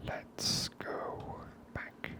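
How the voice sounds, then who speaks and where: Speaking in a hushed whisper right up against the mic, a gaming video host offers unhurried ASMR commentary on a game, thinking out loud as he goes.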